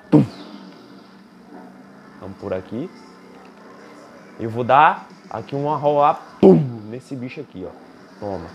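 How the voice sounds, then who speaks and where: A young Brazilian man with a Brazilian Portuguese accent, giving excitable gameplay commentary while racing and trash-talking the game. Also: fairly high pitch. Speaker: gaming YouTuber.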